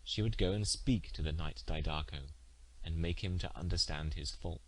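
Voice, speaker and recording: A man reading an old tale as an audiobook narrator, in a formal, measured storytelling manner. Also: a bass voice, rough recording.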